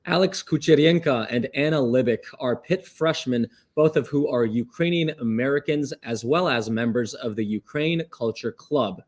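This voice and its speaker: A man's voice: mid-range voice, moderate pace, hardly any pauses, darkish tone. Young male student news anchor. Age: young adult. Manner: polished, read-from-script. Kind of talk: scripted news reading.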